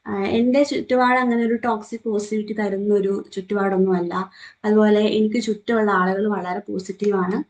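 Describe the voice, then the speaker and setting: A woman's voice: medium pitch, a little mellow. A young woman with a Malayali accent leads a group training session, asking the listeners questions and acting out quoted remarks. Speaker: trainer leading a morning session. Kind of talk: interactive talk to a group.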